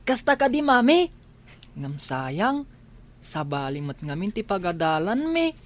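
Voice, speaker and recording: A woman's voice: medium pitch, very animated, unhurried. A woman voicing an earnest blind schoolchild who asks wistful questions.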